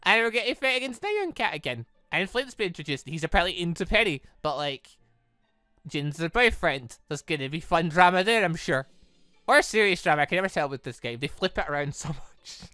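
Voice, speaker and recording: Excitable gamer host rambling through a let's play, crisp smooth voice, super dry close recording. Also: mid-range voice, fairly quick, dry recording, soft background music. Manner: excitable, rambling, breaks into laughter. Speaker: gaming channel host. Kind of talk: casual let's play commentary.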